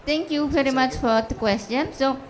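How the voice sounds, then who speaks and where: An Indonesian woman chairs a conference panel in a fairly high voice, pausing often on fillers and restarting her sentences. A faint hum of a busy hall sits behind her. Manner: hesitant, many fillers and restarts. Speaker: panel moderator. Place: conference pavilion.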